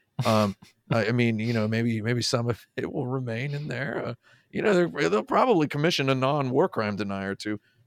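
A man with an American accent and a normal speaking voice, at medium pitch and moderate pace, with ordinary pitch variation and a dry, close sound with no echo. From US. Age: 40s. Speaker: video game critic. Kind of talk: casual chat.

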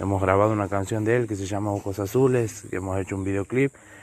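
This man's voice sits at a fairly low pitch. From Santiago del Estero, Argentina. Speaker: folk musician. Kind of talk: recorded interview testimony. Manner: halting.

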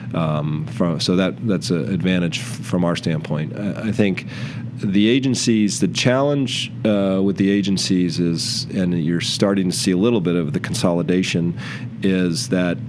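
A man with an American accent talks at a moderate pace in a very deep, low pitch, with lively intonation and very even loudness. Noticeable background noise and audible room echo surround him. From US East Coast. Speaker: corporate sponsorship executive. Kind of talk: interview. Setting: office.

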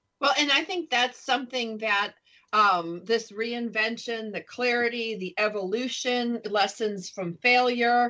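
This is an ordinary speaking voice at a fairly slow pace. Pitch varies in an ordinary way. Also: woman, fairly high pitch for a woman. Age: 40s. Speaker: radio host. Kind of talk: roundtable discussion.

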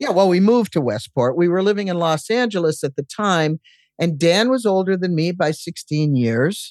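Against a quiet background, a man with an American accent and an ordinary speaking voice uses lively intonation, the sound dry and close with no echo. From Massachusetts. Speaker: memoirist and rock musician. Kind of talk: interview conversation.

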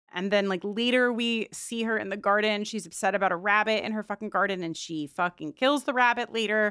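At a fairly quick pace and with hardly any pauses, a woman talks in a bright, sharp tone at a medium pitch with ordinary variation, on a very clean recording with a silent background. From New York. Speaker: podcast co-host. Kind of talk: casual chat.

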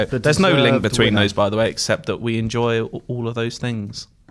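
Here a man speaks in a British accent at a moderate pace. His medium-pitched voice shows ordinary pitch variation. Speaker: podcast co-host.

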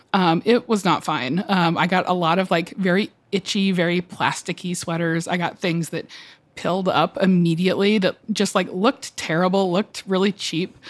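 A woman with an American accent has a normal speaking voice at a medium pitch. She talks at a moderate pace with fairly even intonation. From US South, Atlanta. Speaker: magazine staff writer. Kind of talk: interview.

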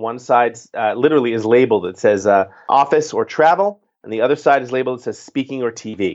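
A man with an American accent talks at a fairly quick pace. His pitch is medium, with ordinary variation. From US. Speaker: entrepreneur and author. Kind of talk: interview. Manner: fast.

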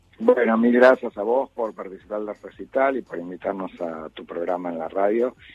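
An unremarkable speaking voice from a man, fairly low-pitched, at a moderate pace with hardly any pauses. Pitch variation is ordinary, and the sound is dry and close with no echo. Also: big swings in loudness. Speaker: road safety activist, bereaved parent. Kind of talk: radio interview.

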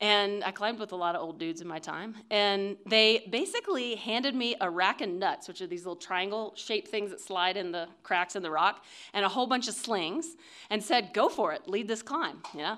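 Bright, sharp tone with ordinary pitch variation, an American accent and a quiet background. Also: woman, medium pitch for a woman, moderate pace. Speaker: gym owner and storyteller. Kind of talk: live storytelling. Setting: stage with audience.

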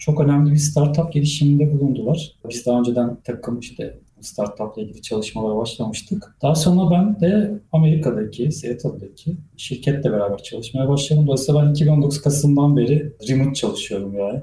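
Somewhat breathy and dark, mellow in tone, a man with a fairly high pitch speaks with ordinary pitch variation and hardly any pauses. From Turkey, Diyarbakır. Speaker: software engineer. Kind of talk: interview.

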